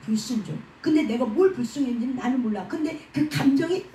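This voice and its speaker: A woman's voice: sits high, expressive, fast talker, warm tone, slight background noise. A woman preaching a sermon at a prayer house, asking rhetorical questions and answering them herself, and leading the congregation in repeating after her. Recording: echoey room, voice from a distant mic.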